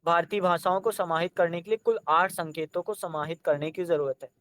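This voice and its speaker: Male exam-prep teacher, high and smooth voice, dry close sound, sounds out each letter slowly. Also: fairly even intonation, a bit bright, dry recording. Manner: addresses students directly, coaxing them to try.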